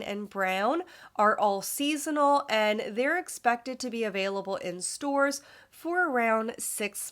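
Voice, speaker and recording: A woman's voice: a little high, a bit bright. A woman presenting a luxury fashion vlog in a polished, informative, friendly way, sounding nasal from a cold.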